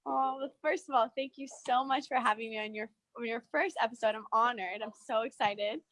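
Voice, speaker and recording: A woman actress, originally from Mexico and raised in Ohio, chatting warmly as a guest from a park outdoors. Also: fairly high pitch, a little fast, no room sound, low-quality recording. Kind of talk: casual interview chat.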